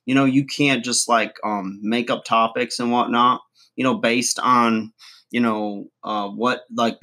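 A folksy redneck guru rambles through a comic advice show, as a man plays him. He chuckles, trails off and mangles big words. His voice sits at an everyday middle pitch. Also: fairly bright tone, natural voice. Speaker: comedy channel host. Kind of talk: comic monologue to camera.

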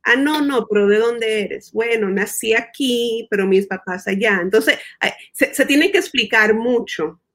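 A woman's voice: on the high side, a little slow, hardly any pauses, a bit bright. A woman interviewee who lives in the United States, explaining her ideas thoughtfully, repeating words as she thinks and slipping in English terms. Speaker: guest expert. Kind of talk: conversational interview.

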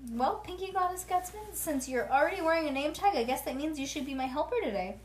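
Woman putting on a sweet, high-voiced hairdresser. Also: big pitch swings, a little fast. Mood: friendly. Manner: sweet, indulgent. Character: friendly, playful woman hairdresser.

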